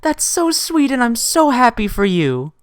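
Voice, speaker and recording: A woman interviewing a guest, asking questions in a sympathetic, expressive way. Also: on the high side, a little slow, dry recording, studio quality.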